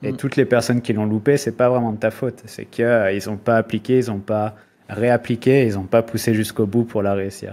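The man's pace is fairly quick and his pitch medium. He speaks with monotone, flat intonation. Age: 30s. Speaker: podcast host. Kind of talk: casual interview. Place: home room. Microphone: earbuds.

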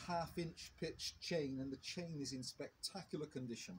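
Noticeable background noise sits behind the speech. A man talks at a moderate pace. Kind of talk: casual vlog chat. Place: open country.

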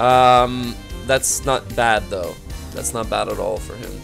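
A man speaks with music in the background. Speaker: gaming commentator. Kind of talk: live gameplay commentary.

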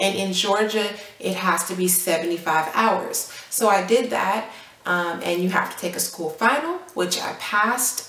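Fairly slow speech from a woman amid audible room echo. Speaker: new real estate agent vlogger. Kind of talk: casual vlog chat. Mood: excited, celebratory.

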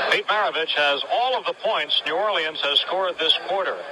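Over noticeable background noise, a man speaks at a moderate pace, his pitch varying in an ordinary way. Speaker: play-by-play announcer. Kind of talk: 1970s live radio-style basketball play-by-play commentary. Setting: arena broadcast, archive game recording.

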